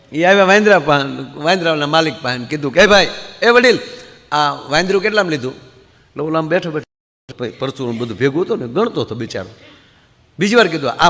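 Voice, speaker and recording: A man telling comic folk stories to a live audience, acting out his characters with quick voice shifts. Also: fairly high pitch, a bit bright. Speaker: folk comedian storyteller. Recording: hall reverb.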